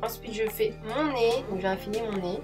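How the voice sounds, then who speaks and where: A young woman talks through her makeup routine in a chatty, enthusiastic voice-over. Her voice sits at an ordinary middle pitch. Quiet music plays beneath her. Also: moderate pace. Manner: chatty, enthusiastic, addresses viewers as girls. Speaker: beauty vlogger.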